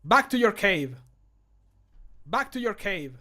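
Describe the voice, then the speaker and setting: A man's voice: high-pitched, big pitch swings, slow pace, bright, forceful tone, voice pushed up, heavily acted. A man voicing a scared adventurer pleading in short theatrical lines for a game mod. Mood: dramatic.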